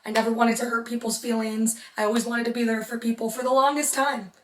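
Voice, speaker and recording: A woman's voice: a little high, level tone, fast, roomy sound, distant mic, a little hiss or hum. A young woman vlogger who is losing her voice, talking earnestly to her viewers and repeating points for emphasis. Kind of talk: casual motivational talk to camera.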